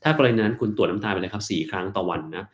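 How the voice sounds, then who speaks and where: This is a man with a somewhat low voice running a live question-and-answer stream as a doctor. He reads each viewer's question aloud and answers it plainly and bluntly, without softening. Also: very fast.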